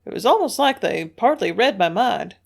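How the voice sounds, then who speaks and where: A woman reading the part of a rough male sailor, speaking loudly, gruffly and bluntly. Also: mid-range voice, moderate pace, close to an everyday voice.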